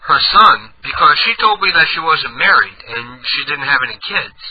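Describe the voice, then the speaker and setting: A man's voice: fairly high pitch, animated, moderate pace. A man hosting a radio show, making a crude prank call, brash and mocking with frequent insults. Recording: lo-fi radio broadcast with faint hiss.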